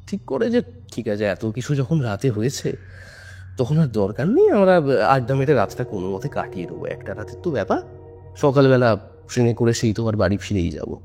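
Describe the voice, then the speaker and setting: A man with an average-pitched voice tells a story in colloquial, conversational language. He builds suspense as he goes, like a podcast storyteller. Music plays behind his voice. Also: sing-song, brisk, darkish tone. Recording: music under the voice. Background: background music.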